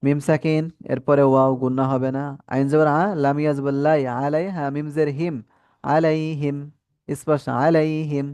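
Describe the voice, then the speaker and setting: Patient man spelling out recitation slowly. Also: a little high, flat delivery, darkish tone, clean tone, no echo. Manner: asks the class questions and has them repeat. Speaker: Quran reading teacher. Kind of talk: Quran recitation lesson.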